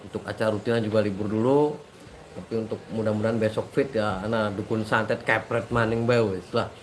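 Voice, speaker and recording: A man's voice: lowish voice, fairly even intonation, fairly quick, a little hiss or hum, low-quality recording. A man with a stuffy nose, rambling casually to his followers and repeating himself. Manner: rambling, repetitive, mixes in local words. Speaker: preacher addressing followers. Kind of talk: casual live-stream talk with chanted sholawat.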